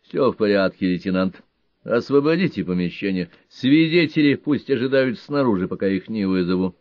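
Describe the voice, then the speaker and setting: A man's voice: lowish voice, animated, normal speed, no room sound, dull audio, natural voice. A man voicing an older police inspector who talks in a clipped, dry, commanding way.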